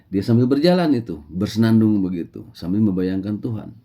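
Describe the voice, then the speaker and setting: A man with a Sundanese accent telling a religious story in a relaxed lecture, dropping in Sundanese words and chatty tag fillers. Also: on the low side, brisk.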